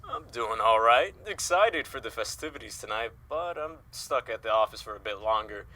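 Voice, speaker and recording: A man's voice: mid-range voice, expressive, moderate pace, pushed and bright. A man playing a jovial, folksy newspaper colleague in an audio drama, cheery and courtly in manner. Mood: cheerful.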